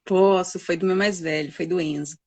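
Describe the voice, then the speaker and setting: A woman, a guest mother telling a personal story in a halting way, with many fillers. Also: lowish voice, steady tone, darkish tone, dry recording. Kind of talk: personal storytelling in a live chat.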